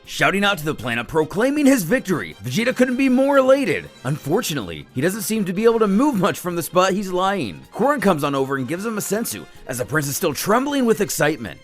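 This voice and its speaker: A man's voice: high voice, wildly swooping pitch, fast, hardly any pauses, faint music behind. A man narrating a scripted story recap in a dramatic storytelling manner. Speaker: narrator of a manga recap channel.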